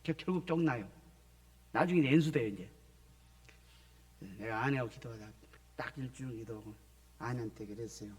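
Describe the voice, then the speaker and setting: Speaking a little fast and pausing often, this man has a mid-range voice. He's a middle-aged missionary from Jeolla sharing a testimony during a sermon in a church sanctuary. As he tells his story, he plays out phone calls by voicing the other people.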